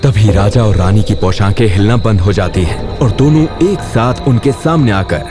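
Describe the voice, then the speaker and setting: A man with a fairly low voice narrates a scripted children's ghost story. He speaks as a storyteller, with music playing behind him. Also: animated, moderate pace.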